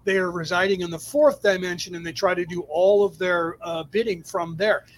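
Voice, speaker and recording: A man's voice: high voice, steady tone, normal speed. A man giving an off-the-cuff spiritual talk to a live chat, explaining emphatically in stop-and-start phrases. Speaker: spiritual teacher answering audience questions on a livestream.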